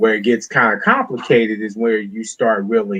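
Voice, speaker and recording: Talking in a Southern US accent, a man keeps a medium pitch with ordinary pitch variation. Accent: southern twang. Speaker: streamer hosting a discussion. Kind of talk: casual chat.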